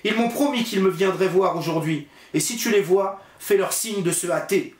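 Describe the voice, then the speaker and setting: A man's voice: sits high, normal speed, voice pushed up, natural voice. A man voicing a frightened young wife in a storybook, pleading and anxious, in a raised voice. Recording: roomy echo.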